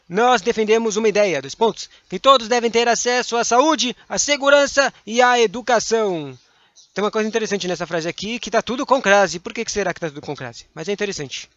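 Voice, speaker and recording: Brazilian guy teaching grammar online, high voice, dry muffled mic, reads examples with punch. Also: dry recording. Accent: Brazilian Portuguese. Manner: reads examples aloud in a lively voice, mumbles asides. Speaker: exam-prep teacher. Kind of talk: online grammar lesson, reading and commenting.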